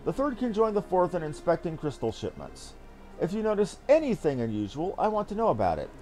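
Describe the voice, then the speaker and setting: Composed commander, acted by a man, formal and probing, high male register with varied intonation, fantasy game. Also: wildly swooping pitch, fairly quick, mellow. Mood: commanding. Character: composed, shrewd commander questioning a subordinate. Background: game music.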